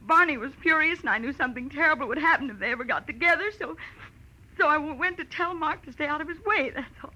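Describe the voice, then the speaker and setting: An actress playing a sassy, worried dame in a 1940s radio detective drama, breezy and slangy. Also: female voice, sits high, quick pace, sharp tone, rough recording. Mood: anxious.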